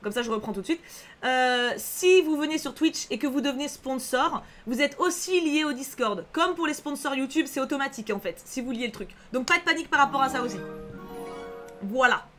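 Bright high-voiced woman streamer, chatty. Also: fairly quick, faint music behind. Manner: chatty, reads chat aloud, frequent fillers; reassuring, repeats herself. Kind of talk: casual live-stream chat.

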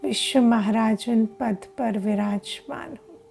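Female meditation guide, hushed and unhurried, relaxed dark tone with noticeable vocal fry, short phrases and long pauses. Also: a little high, a little hiss or hum.

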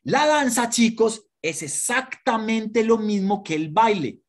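A woman giving a lively lesson to children, asking them questions and having them repeat words. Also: on the high side, slow pace. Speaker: children's history presenter.

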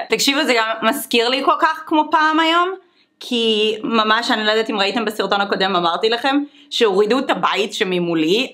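A woman's voice: medium pitch, a bit bright. A woman, chatting casually through a makeup tutorial and slipping into English exclamations. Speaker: beauty vlogger.

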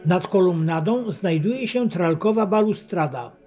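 A man narrates a travel film in a measured, scripted voice-over. His voice sits high but sounds dark and husky. The recording is dull and lo-fi. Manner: even, measured reading of facts and figures. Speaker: documentary narrator. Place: voice-over, not recorded at the pictured site. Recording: dull lo-fi voice-over with faint choir music.

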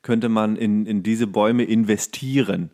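A man's voice: fairly low pitch, fairly even intonation, measured pace, warm tone. A man co-hosting a podcast in casual comedic banter, rambling along in a jokey, mock-serious way. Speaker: podcast co-host.

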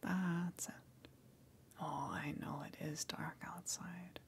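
A woman voicing a luring tentacled sea monster in an ASMR roleplay, coaxing softly in a breathy, hushed whisper with long pauses. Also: on the low side, fairly even intonation, a little hiss or hum. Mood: reassuring.

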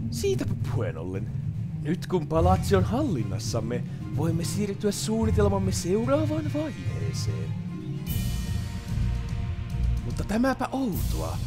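A theatrical game villain with a high-pitched voice. His grandiose, mocking lines swing wildly up and down. Clear music plays behind his melodramatic delivery. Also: wildly swooping pitch. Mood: scheming. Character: flamboyant, theatrical villain in a stolen human body. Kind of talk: dubbed video game cutscene acting.

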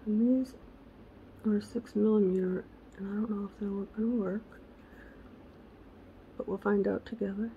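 A woman hosting a casual crafting tutorial, chatty and correcting herself, her voice raspy because she is losing it. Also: medium pitch, steady tone, measured pace, long pauses, dull audio, a little hiss or hum. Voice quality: gravelly. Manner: chatty, self-correcting, muttering asides to herself. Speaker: craft channel host.

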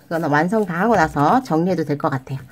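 A woman hosting a children's origami tutorial, explaining each fold step by step in a gentle, sing-song way and addressing the kids as friends. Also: sits low, quick pace. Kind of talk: step-by-step craft instruction.

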